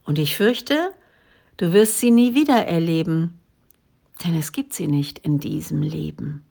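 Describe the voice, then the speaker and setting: Woman voicing a patient, teasing male spirit guide, storybook audiobook, gentle, unhurried delivery, lowish voice. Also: creaky, heavily acted. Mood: gently amused. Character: kindly, humorous ageless male spirit guide. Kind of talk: audiobook reading.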